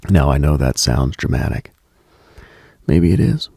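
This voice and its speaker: A man hosting a late-night mystical radio show, delivering a hushed, solemn, dramatic monologue with deliberate pauses in a gravelly, husky voice. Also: extremely low pitch, no room sound, studio quality. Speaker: radio host.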